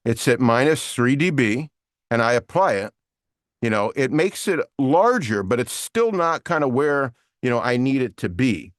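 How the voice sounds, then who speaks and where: A man's voice: mid-range voice, very animated, moderate pace, no room sound, studio quality. A man teaching an online voiceover lesson with screen share, explaining in a casual way with many fillers. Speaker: voiceover coach.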